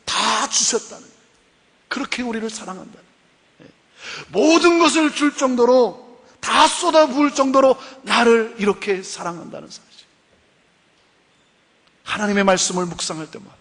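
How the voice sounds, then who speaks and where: A woman's voice: on the high side, normal speed, pauses often. A woman giving a preaching lecture at a Christian seminar, emphatic, repeating key phrases and asking rhetorical questions. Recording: long reverb from a hall.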